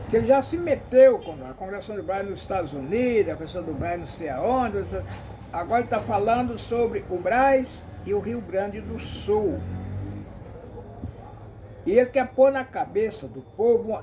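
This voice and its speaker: A man's voice: high-pitched, background noise. A Brazilian man giving an emphatic, repetitive commentary monologue, often calling out to his listeners.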